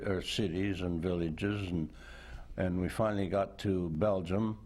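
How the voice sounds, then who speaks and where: A man in his nineties, a veteran recounting memories as a studio interview guest, unhurried and thoughtful with frequent pauses. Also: low voice, darkish tone. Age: 90s. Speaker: war veteran and author. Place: indoor television studio.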